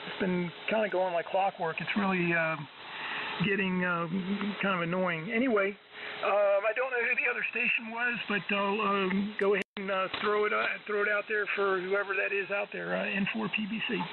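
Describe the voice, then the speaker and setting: Male ham radio operator, high voice, hesitant casual chat, noisy static. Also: fairly even intonation, normal speed, gravelly. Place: amateur radio transmission on 40 meters. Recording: tinny narrow-band shortwave radio, noisy static.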